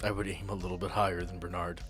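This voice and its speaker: A man with a fairly low voice runs a tabletop roleplaying game. He moves between plain narration and loose, sweary banter, talking to players as friends. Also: flat delivery, fast talker, music in the background. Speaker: game master.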